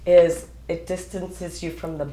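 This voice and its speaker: Middle-aged lady counselor, lowish voice, talks it through like a teacher, echoey room. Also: flat delivery, unhurried, warm tone. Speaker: couples counselor. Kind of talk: counseling session, explaining.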